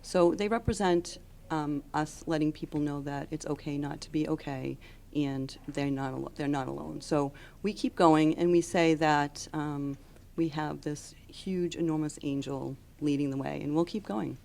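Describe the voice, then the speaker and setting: A woman giving unscripted interview answers as a charity founder, explaining earnestly and haltingly. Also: deep voice, steady tone, creaky, a little mellow. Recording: on-location audio with background noise.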